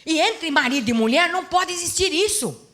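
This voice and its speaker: A middle-aged woman pastor preaches to a church seminar in a high voice. Her delivery swings between soft, confiding storytelling and loud, emphatic exhortation. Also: fairly quick. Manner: lively storytelling, acts out quoted dialogue.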